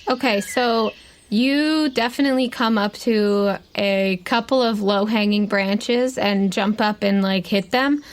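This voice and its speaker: A woman's voice: mid-range voice, fairly even intonation, a little slow. A woman running a tabletop game as game master, improvising scene descriptions in pieced-together phrases.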